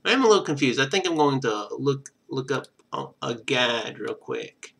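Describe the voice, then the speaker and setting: A man's voice: medium pitch, normal speed, creaky, a bit bright, slightly rough. A man doing casual video game commentary, thinking aloud as he plays.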